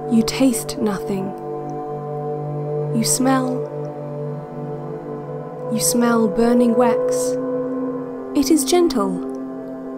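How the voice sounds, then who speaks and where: Loud ambient music surrounds a calm, controlling woman on an institute's relaxation cassette. She guides the listener very slowly, with deliberate pauses and measured authority. Her voice sits a little high, in the style of an audio drama. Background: ambient new-age music.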